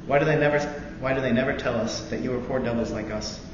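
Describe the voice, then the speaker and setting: A young American man, a student veteran, reading a novel passage aloud in earnest, after a halting introduction. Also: medium pitch. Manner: halting intro with many fillers, then steady earnest reading. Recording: roomy echoey hall, dull lo-fi sound, noisy.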